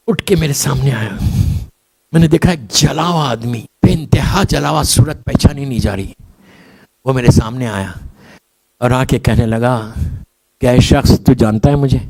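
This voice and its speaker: A man preaching a majlis sermon as a story, swinging from soft low asides to high impassioned cries and mixing English words into his speech. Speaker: Shia preacher.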